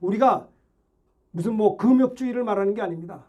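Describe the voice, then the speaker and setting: Brisk and high-voiced, a middle-aged male pastor shouts and exhorts his listeners through a fervent Sunday sermon full of rhetorical questions.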